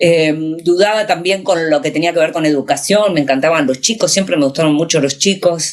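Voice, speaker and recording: With a Rioplatense accent, a woman speaks at a moderate pace in a fairly low pitch. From Argentina. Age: 60s. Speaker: journalist and writer. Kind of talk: interview conversation.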